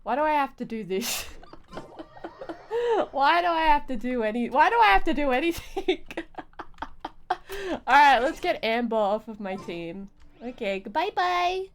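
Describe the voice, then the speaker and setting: A woman's voice: high voice, big pitch swings, unhurried. A woman chatting casually on a gaming livestream, playful and often repeating her phrases. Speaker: game streamer.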